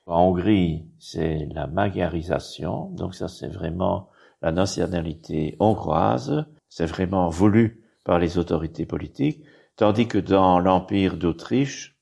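A man's voice: low-pitched, measured pace, gravelly, mellow, slightly rough. An older man, explaining history in an interview in a rambling, digressive way with frequent tag words. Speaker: bishop and historian guest.

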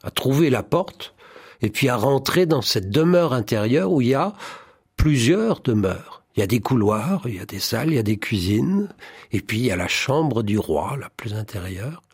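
A man's voice: mid-range voice, big pitch swings, moderate pace, husky, no room sound, studio quality. A man guest in a spiritual radio interview, speaking in a fervent, preacherly way and often quoting scripture. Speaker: priest and songwriter, interview guest.

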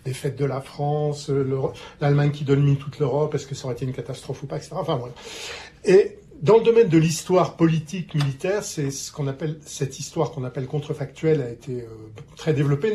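A man presenting a book on the radio, explaining calmly with fillers. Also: on the high side, brisk, slight background noise. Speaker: book commentator.

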